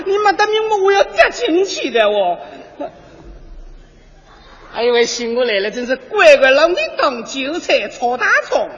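A woman's voice: high voice, big pitch swings, moderate pace, big-room sound, highs cut off, voice pushed down. A woman voicing a fiery young Gypsy woman in a Yangzhou accent, scolding shrilly with mock wailing.

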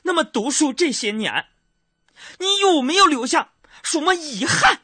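A man's voice: very high-pitched, big pitch swings, unhurried, pushed and bright, no room sound, pitched above the performer's own voice, heavily acted. A man voicing an earnest male university teacher who speaks in a heartfelt way.

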